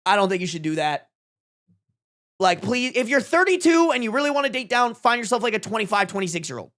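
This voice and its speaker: A livestream host in their twenties with a very lively, swooping delivery. The talk is casual and slangy, peppered with swearing and pushed hard for emphasis. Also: medium pitch, fast. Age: 20s. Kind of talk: casual reaction stream chat.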